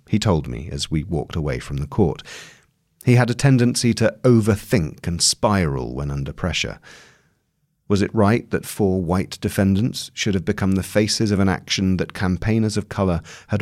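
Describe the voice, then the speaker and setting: A man reading a long-form piece of journalism as scripted narration, in a measured, articulate delivery. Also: low-pitched, expressive, a little mellow, dry recording, studio quality.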